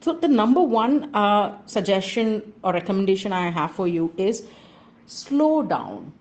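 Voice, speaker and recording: A woman's voice: medium pitch, very animated, a little mellow. A woman with an Indian accent giving a structured, emphatic speech evaluation as a recorded message. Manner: measured, structured, emphatic on key points.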